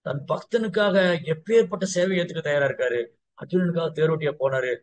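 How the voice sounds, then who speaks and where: A man's voice: fairly high pitch, lively intonation, fairly quick. A male Vaishnava preacher telling a devotional story to a gathering, acting out dialogue and repeating phrases. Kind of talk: sermon storytelling to a congregation.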